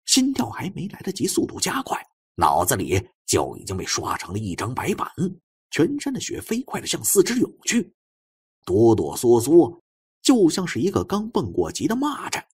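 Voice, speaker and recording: A man narrating a suspense audiobook in a theatrical way, moving between hushed and forceful delivery. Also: mid-range voice, wildly swooping pitch, normal speed, husky.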